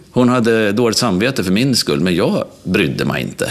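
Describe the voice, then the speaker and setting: Noticeable background noise sits behind a man's voice. He speaks at a moderate pace with a fairly low pitch. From Sweden, Gävle. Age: 60s. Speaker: meetings lecturer. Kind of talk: casual interview.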